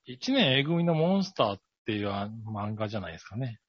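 Relaxed man giving easy replies. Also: fairly low pitch, a little fast, husky, dry recording, dull audio. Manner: relaxed, lots of short agreeing replies. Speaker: podcast co-host. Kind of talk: casual chat.

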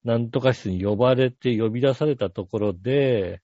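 A man's voice: medium pitch, normal speed, warm tone, no room sound, lo-fi sound. A man co-hosting a podcast, telling a rambling story in casual chat with many fillers. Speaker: podcast co-host.

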